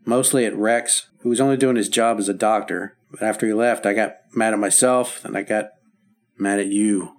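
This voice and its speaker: A man's voice: fairly low pitch, steady tone, natural voice. A man playing a wry, stubborn patient. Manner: wry, joking, halting when upset. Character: recovering husband, wry and stubborn. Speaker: hospital patient. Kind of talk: 1950s radio acting.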